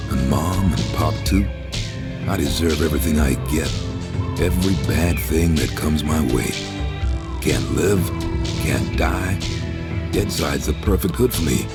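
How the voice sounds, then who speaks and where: A male actor voicing a brooding, world-weary undead warrior in a video game, bitter and sardonic, with street-tough phrasing. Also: rumbling low. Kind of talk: dramatic game cutscene acting. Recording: background music under the voice.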